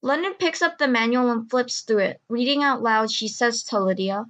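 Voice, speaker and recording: A woman narrates an audio drama from a script. Her voice is fairly high as she describes the scene. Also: normal speed, a bit bright.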